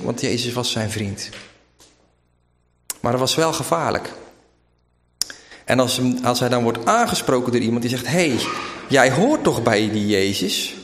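A man's voice: medium pitch, a bit bright. A man from Zeeland with a light Zeeuws-Vlaams accent, preaching a sermon and retelling the story emphatically, acting out the quoted lines. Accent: Zeeuws-Vlaams Dutch. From Zeeland, Netherlands. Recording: echoey hall with long reverb.

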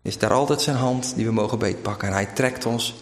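Dutch preacher in an echoing hall. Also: male voice, medium pitch, brisk. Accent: Zeeuws-Vlaams Dutch. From Zeeland, Netherlands. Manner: storytelling, shifting into quoted voices, emphatic. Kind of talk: sermon. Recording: echoey hall with long reverb.

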